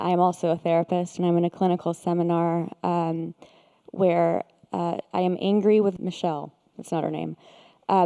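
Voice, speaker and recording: A woman sharing a painful personal story, hesitant and halting, often pausing with fillers. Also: on the low side, mellow, smooth. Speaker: participant, therapist.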